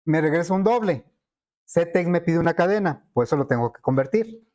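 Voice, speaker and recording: In a screen-recorded coding lesson, a male programming teacher with a slightly high, expressive, somewhat mellow voice guides students through code. He reasons aloud, stopping on filler words and checking that the class is with him.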